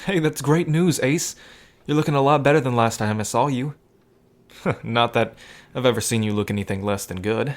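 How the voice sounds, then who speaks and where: A man's voice: mid-range voice, normal speed, close to an everyday voice. A man playing a devoted, playful ally in a romantic audio drama, with an affectionate, casual and teasing manner. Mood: playful, flirty. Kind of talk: scripted romantic audio roleplay spoken to the listener.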